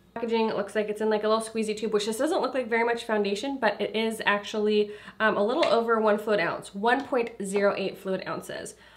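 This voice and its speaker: Over noticeable background noise, a woman talks very fast at a fairly high pitch with fairly even intonation. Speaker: beauty YouTuber. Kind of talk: makeup tutorial. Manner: casual, chatty.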